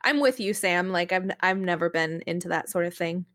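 A woman's voice: fairly low pitch, a little fast, a bit bright. A woman co-hosting a podcast in casual chat, talking in an informal, conversational way. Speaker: podcast co-host and games writer.

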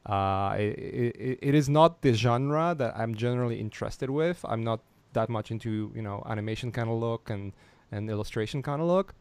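A man's voice: mid-range voice, moderate pace, a little mellow, clear, resonant tone, no room sound. A man hosting a casual interview over a call, talking with many restarts and fillers and laughing easily. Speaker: podcast host.

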